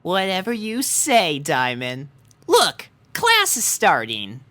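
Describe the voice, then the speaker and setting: Man doing a cocky, sly, raised-pitch filly. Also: wildly swooping pitch, slow pace, pushed and bright, no room sound, full character voice. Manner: coy, teasing. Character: cocky, sly young girl pony schemer.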